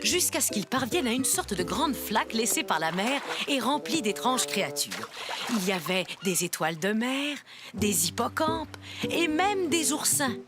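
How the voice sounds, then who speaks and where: A woman playing a kindly storyteller, narrating a children's cartoon tale in a gentle, expressive manner. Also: on the high side, moderate pace, music in the background. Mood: gentle wonder.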